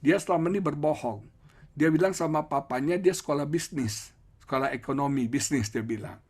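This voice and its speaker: A male pastor delivering a sermon with a husky voice. He jumps into high, emphatic peaks for stress and throws in playful asides, then settles into a steadier prayer. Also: fairly quick, darkish tone. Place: church prayer service.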